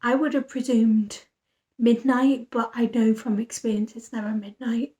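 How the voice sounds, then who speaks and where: A woman's voice: a little high, little pitch movement, measured pace, mellow. A tired woman book vlogger chatting casually after reading all night, rambling and thinking aloud. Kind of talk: casual vlog chat.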